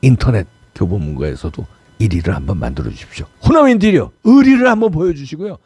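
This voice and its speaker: A man's voice: lowish voice, wildly swooping pitch, fast talker, warm tone, husky, no room sound. A middle-aged man from Seoul hosting fiery political commentary, pleading and scolding with mocking asides. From Seoul, South Korea. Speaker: political commentary channel host.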